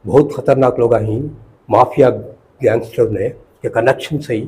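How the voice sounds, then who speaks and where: An older retired professor, reminiscing in an interview, halting and repeating words, mixing in English phrases. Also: male voice, mid-range voice, darkish tone, rough recording.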